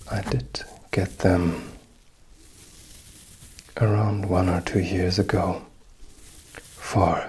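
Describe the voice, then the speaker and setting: A soft-spoken man with a gentle tone and a very deep, low pitch talks at a very slow pace, his intonation fairly even and his pauses long and frequent. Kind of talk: ASMR personal attention ramble. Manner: soft-spoken, gentle.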